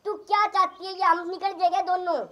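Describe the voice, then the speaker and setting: Performer doing a cartoon young husband, very high-pitched, squeaky, pleading. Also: level tone, a little fast, a bit bright. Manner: pleading, then angry. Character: young husband caught between wife and mother.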